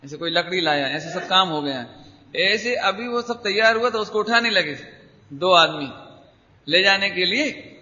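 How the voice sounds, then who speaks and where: Male preacher, high and sharply bright, emphatic teaching style with repetition, long hall reverb. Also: lively intonation, a little slow. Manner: emphatic, repeats key words, urges listeners to attend. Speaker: Jain preacher. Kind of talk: spiritual discourse with a story. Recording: dull lo-fi hall recording.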